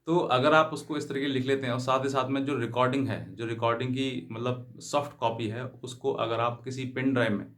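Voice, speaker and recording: A man's voice: mid-range voice, fairly even intonation, a little fast, hardly any pauses, a bit bright. A man giving an explanatory legal advice talk to viewers, often rephrasing himself and glossing English terms in Hindi. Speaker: legal advice channel host.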